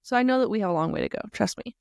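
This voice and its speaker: A woman casually giving a Christian encouragement talk to mothers, chatty and animated, full of asides. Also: mid-range voice, rapid-fire, vocal fry, dry recording, clean studio sound. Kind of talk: casual faith talk to moms.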